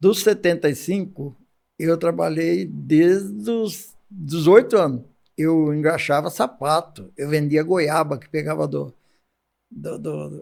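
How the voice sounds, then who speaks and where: Very clean and with a silent background, the recording has a man speaking at a very slow pace. His pitch is fairly high and his intonation lively. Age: 70s. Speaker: market stall vendor. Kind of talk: interview conversation.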